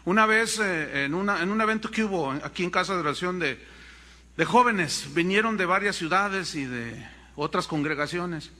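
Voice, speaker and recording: A pastor with a Mexican accent preaching a sermon, telling stories with animation and calling the congregation brothers. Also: male voice, sits high, lively intonation, normal speed, bright, forceful tone, long reverb tail.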